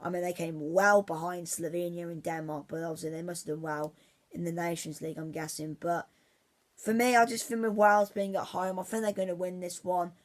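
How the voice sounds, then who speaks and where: A man's voice: sits high, little pitch movement, fairly quick. A man giving casual football predictions on his vlog, rambling and repeating himself with many restarts. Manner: rambling, says "obviously" constantly, many restarts; fan-like, insistent about his team. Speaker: football vlogger.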